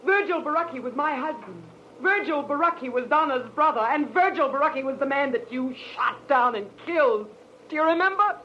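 A bitter young widow, high-voiced and accusing, full of hate. It is intense vintage radio melodrama on a dull recording with clear background noise. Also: female voice, lively intonation, fairly quick. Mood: accusing fury. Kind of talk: 1940s radio melodrama acting. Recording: noisy, dull old-time radio recording.

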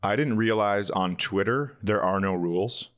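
Podcast co-host: man, lowish pitch, casual comic banter, self-deprecating. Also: moderate pace, clear, resonant tone.

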